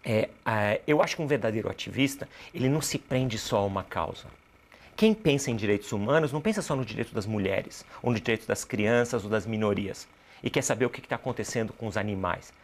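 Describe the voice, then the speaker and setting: A man's voice: fairly low pitch, expressive, fast. Brazilian man, explaining didactically. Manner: didactic, poses rhetorical questions and answers them. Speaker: interview guest, cultural producer and activist. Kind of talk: explanatory talk in an interview.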